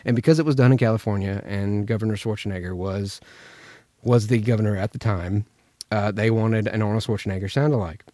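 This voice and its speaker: An American man gives an informal voice acting lesson. His voice is on the low side, and he talks in a chatty, anecdotal way. The recording is dry, with little room sound. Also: fairly quick, dark tone, no echo. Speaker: voice actor teaching impressions. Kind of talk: casual tutorial chat.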